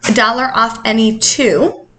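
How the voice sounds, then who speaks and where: A woman's voice: on the high side, fairly even intonation, measured pace, fairly bright tone, slight background noise. A woman hosting a casual, chatty, upbeat coupon vlog, her articulation slightly altered by wearing dental retainers.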